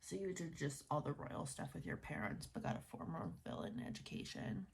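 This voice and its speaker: Woman doing a friendly student advisor asmr roleplay, lowish soft voice that moves up and down a lot, casual, faint noise behind. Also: gravelly, full character voice, poor audio. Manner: casual, unhurried, halting with trailing pauses. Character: friendly, easygoing student advisor at a fairytale royal university. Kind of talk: ASMR roleplay, soft-spoken with some whispering. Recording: faint noise, keyboard typing and clicking. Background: typing, tapping and clicking sounds.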